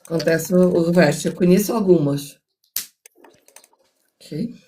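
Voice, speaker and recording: A warm, lowish female voice, a little slow, comes with slight hiss or hum. The older woman hosts a book discussion, reading and analyzing it in a musing way, often restarting and adding moralizing remarks.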